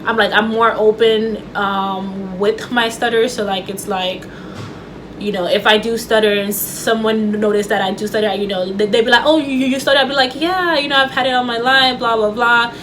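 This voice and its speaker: A woman's voice: fairly high pitch, steady tone, moderate pace, low-quality recording. Woman vlogging at home, stutters a bit, rambly and casual, faint ac hum behind. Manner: stutters, with repeated words and restarts; chatty and loose, with many fillers. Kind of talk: casual talk to camera. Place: home room with air conditioner running. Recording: faint air conditioner hum.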